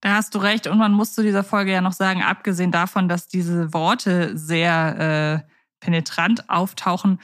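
A woman co-hosting a podcast, speaking in a measured, thoughtful way with some hesitant fillers. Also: on the low side, steady tone, no room sound, studio quality. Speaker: podcast co-host. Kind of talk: casual chat about radio plays.

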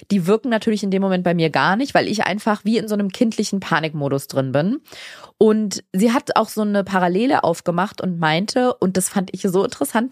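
A woman's voice: medium pitch, dry recording. Woman, thirties, podcast co-host, earnest, reflective, casual chat, dry close mic. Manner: earnest, reflective, talks at length with many restarts. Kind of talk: casual conversation.

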